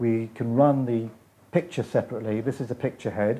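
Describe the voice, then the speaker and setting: This man talks at a fairly quick pace with fairly even intonation and a dark, mellow tone. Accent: British. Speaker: film transfer technician. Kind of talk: instructional demonstration. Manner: calm, slight lisp.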